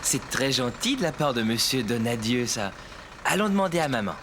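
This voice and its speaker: A man's voice: medium pitch, lively intonation, moderate pace, noisy background, close to an everyday voice. An actor playing a patient, kindly father of a small boy in a children's cartoon, polite and encouraging. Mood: friendly. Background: music behind the voice.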